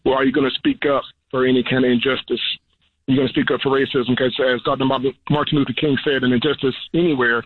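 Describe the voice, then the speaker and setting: A man's voice: mid-range voice, level tone, fast, breathy edge, no echo. A man calling in to a talk show over the phone, speaking earnestly and urging listeners to act. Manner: earnest, exhorting. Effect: heard over the phone. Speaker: caller. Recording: tinny phone line.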